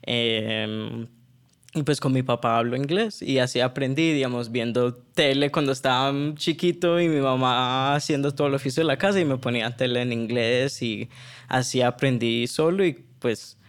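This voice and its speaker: A man, talking as a podcast guest and pausing often with fillers and restarts. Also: mid-range voice. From New York, United States. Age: 20s. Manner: hesitant, many fillers and restarts. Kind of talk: casual conversational interview.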